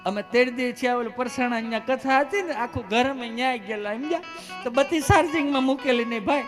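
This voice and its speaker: A man telling folk comic stories, chatty and animated, switching quickly between characters. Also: very high-pitched, music in the background. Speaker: comedian, storyteller.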